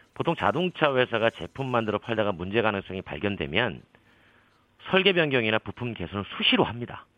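Medium-pitched male speech, fairly quick, the pitch swinging very widely. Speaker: automotive journalist. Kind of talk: radio expert interview. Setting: phone call.

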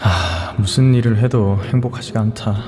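This man talks at a moderate pace. Noticeable background noise runs behind him. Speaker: singer. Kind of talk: casual chat. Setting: studio.

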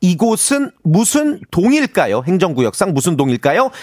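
A man speaks at a fairly slow pace in an animated tone, with a high pitch and very wide pitch swings. The sound is dry and close with no echo, and the recording is very clean, with a silent background. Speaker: radio quiz segment presenter. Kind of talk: radio quiz show banter. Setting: radio studio.

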